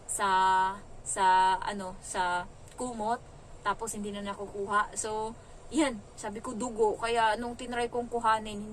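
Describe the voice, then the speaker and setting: A woman from the Philippines tells a story in a casual vlog, her voice sitting a little high. She talks animatedly and acts out what everyone said. A faint hum of room ambience sits underneath. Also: poor audio. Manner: animated retelling with quoted dialogue. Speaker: domestic helper.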